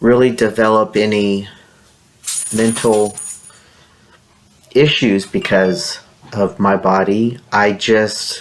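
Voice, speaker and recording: Noticeable background noise behind a man with a fairly low pitch and fairly even intonation, at a very slow pace. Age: 60s. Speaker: vlogger sharing transgender journey. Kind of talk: personal testimony vlog. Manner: casual, hesitant with fillers.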